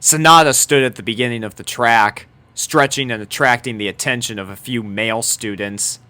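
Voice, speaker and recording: A man's voice: medium pitch, moderate pace, bright, forceful tone. A man reading a scripted fan-fiction story aloud as narrator.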